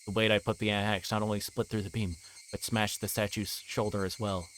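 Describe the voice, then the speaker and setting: A man's voice: fairly low pitch, level tone, brisk, a bit bright, slight background noise, poor audio. A man livestreaming a visual novel, reading the text aloud and sometimes stumbling and correcting himself.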